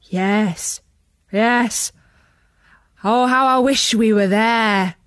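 A woman's voice: on the high side, drawn-out words, dry recording, clean studio sound. A woman voicing a big male donkey from a storybook, the eager leader of a band of animal musicians. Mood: longing. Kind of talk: storybook character voice.

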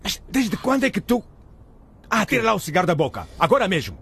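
A man playing a stern, impatient middle-aged father with a husky voice in a radio drama. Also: sits high, big pitch swings, a little fast, a bit bright, heavily acted. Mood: shocked, stern.

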